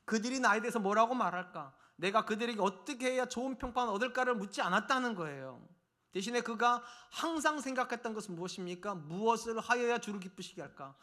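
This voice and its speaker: A middle-aged man who is a senior pastor, preaching a sermon in a church. He swings between raised, urgent appeals and hushed, low asides to the congregation. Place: church sanctuary.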